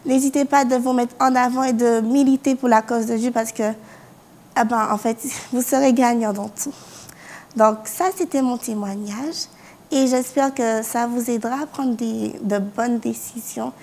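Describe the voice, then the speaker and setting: A woman's voice: on the high side, steady tone, a little slow, a little mellow. A young woman from France giving a personal faith testimony as a university student, earnest, with hesitant restarts and small laughs. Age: young adult.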